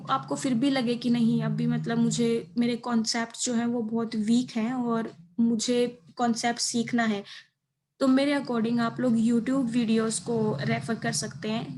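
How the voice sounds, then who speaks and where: A young woman with an Indian accent giving informal study advice as a video presenter, explaining step by step and mixing in English terms. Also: a little high. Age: young adult. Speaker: exam preparation video presenter.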